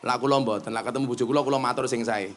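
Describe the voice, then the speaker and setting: A man's voice: mid-range voice, rapid-fire, slight background noise. A man with a Javanese accent preaching to a live audience, telling jokes and acting out stories as he switches between Javanese and Indonesian. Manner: mixes Javanese and Indonesian, jokes and animated storytelling. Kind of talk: comic Islamic sermon.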